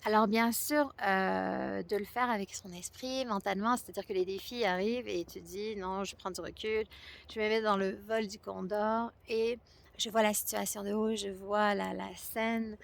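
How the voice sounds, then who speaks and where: Québécois accent woman, raspy fry in her voice, talks slow and unsure outdoors. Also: mid-range voice, steady tone. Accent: Québécois French. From France and Quebec. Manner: hesitant, many pauses and fillers. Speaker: vlogger sharing a fasting experience. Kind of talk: reflective personal talk to camera. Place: outdoors at a spot near hummingbirds.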